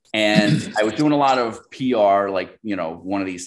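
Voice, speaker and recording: This is a normal speaking voice with an American accent. Its pitch varies in an ordinary way. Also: man. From US Northeast, northern Rhode Island. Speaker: business owner. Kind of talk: interview.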